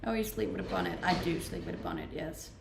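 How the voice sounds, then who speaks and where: A woman's voice: fairly low pitch, fast, gravelly, very noisy. A woman with a Danish accent, chatting easily on a livestream from her rented home, reading out and answering viewer comments and laughing often. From Denmark. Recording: roomy echo.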